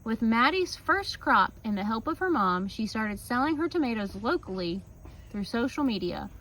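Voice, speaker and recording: Woman, fairly high voice, storybook read-aloud, expressive emphasis, casual asides, some background noise. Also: rough recording. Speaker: teacher reading a picture book aloud.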